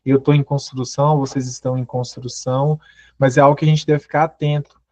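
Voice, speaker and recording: A man's voice: mid-range voice, little pitch movement, a little fast, a little mellow, dry recording. A man giving a motivational growth talk, asking the audience question after question. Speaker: personal growth speaker. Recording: dull, muffled audio.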